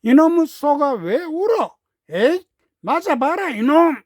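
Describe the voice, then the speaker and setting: A man reading a storybook, voicing a gruff middle-aged cattle trainer who bullies and shouts. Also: high voice, sing-song, slow, dry recording, studio quality, exaggerated voice. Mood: harsh. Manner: bullying, shouting.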